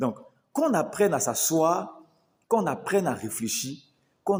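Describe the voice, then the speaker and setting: A man speaks with an Ivorian accent, his pitch swinging very widely. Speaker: pastor. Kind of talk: sermon recap teaching.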